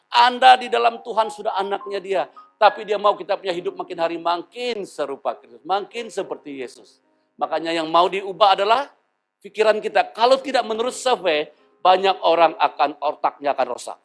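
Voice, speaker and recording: A pastor in his fifties preaching a sermon, telling stories and acting out the voices in them. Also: high voice. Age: 50s. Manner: animated storytelling, acting out dialogue.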